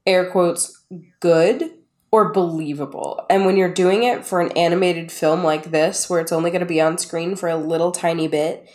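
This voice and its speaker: A woman co-hosting a podcast, giving blunt, emphatic and profane takes on an animated film in casual chat. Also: lowish voice, moderate pace. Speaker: podcast co-host.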